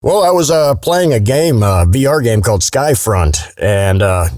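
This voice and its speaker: A man with a medium-pitched voice tells anecdotes as a podcast guest. He is informal, blunt and joking, recorded very dry. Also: lively intonation, unhurried, darkish tone, no room sound. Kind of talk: casual chat, telling anecdotes.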